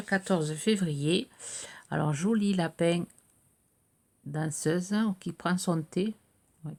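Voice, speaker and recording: A middle-aged woman with a low, gravelly voice talks casually through craft pieces she received. She hesitates often, filling gaps, and her voice cracks a little now and then. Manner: hesitant, many "euh" fillers, chatty. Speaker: craft video host. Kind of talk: casual show-and-tell of mail.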